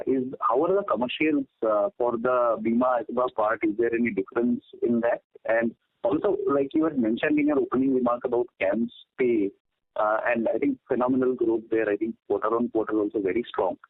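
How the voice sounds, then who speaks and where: A man's voice: mid-range voice, expressive, fairly quick, creaky, no room sound. A man, an analyst putting spontaneous questions on an earnings call. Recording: dry, narrow telephone line.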